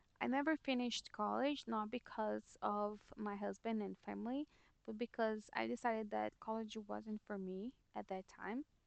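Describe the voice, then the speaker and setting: In a Brazilian accent, a woman talks at a moderate pace with a dry, close sound and no echo. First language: Portuguese. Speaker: cleaning business owner. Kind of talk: personal story.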